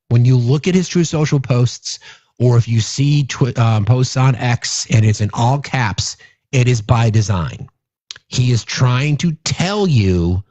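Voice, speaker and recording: A man's voice: medium pitch, darkish tone, no room sound, lo-fi sound. A middle-aged man hosting a political commentary show, ranting bluntly and profanely with many restarts. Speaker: host.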